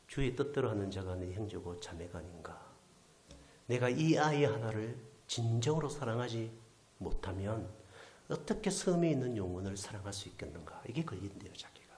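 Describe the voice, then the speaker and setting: A male pastor with a delivers an animated storytelling sermon, his pitch swinging widely as he acts out the people he quotes. At times he sinks almost to a whisper. The sound rings in an echoey church hall. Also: moderate pace. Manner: animated storyteller, acting out quoted voices, drops to near whisper. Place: church sanctuary.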